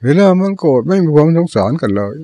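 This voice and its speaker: Older Thai monk giving a calm Dharma talk. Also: male voice, on the high side, quick pace, no room sound. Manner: plain storytelling with repeated teaching phrases. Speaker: Buddhist monk teacher.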